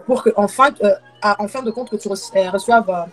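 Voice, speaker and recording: Brisk young woman from Congo, gospel singer guest on a video call, faint music behind. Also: medium pitch. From Democratic Republic of the Congo. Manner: soft-spoken, with frequent fillers and repetition. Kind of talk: casual live-stream chat.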